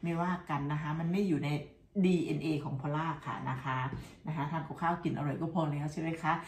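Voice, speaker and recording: A woman's voice: deep voice, fairly even intonation, fast, echoey room. A middle-aged woman from Thailand, chatting and laughing while cooking breakfast at home for her vlog. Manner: chatty and laughing, constant polite tag words. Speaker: cooking vlogger. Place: home kitchen, indoors.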